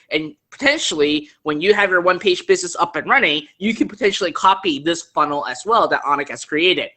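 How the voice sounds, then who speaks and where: Man, host, non-native English speaker, bright tense voice, persuasive, earnest. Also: high-pitched. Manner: earnest, persuasive, keeps checking in with "okay?"; speaks English as a second language. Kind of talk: live online business Q&A pitch.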